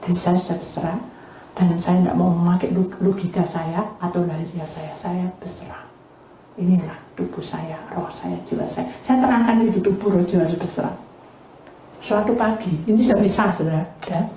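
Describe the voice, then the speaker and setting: A woman pastor preaching with a low, mellow voice, telling a story with lively questions to her listeners. The sound is roomy and echoey, with faint background noise. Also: brisk. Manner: animated storytelling, questions to the congregation. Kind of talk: sermon.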